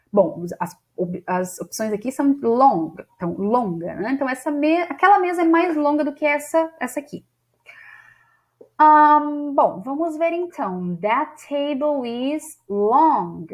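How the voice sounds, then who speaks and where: Brazilian woman teaching English grammar. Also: a little high. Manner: explains step by step, often ends with "né?" and "tá?"; reads English sentences aloud slowly. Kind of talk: online exam-prep lesson.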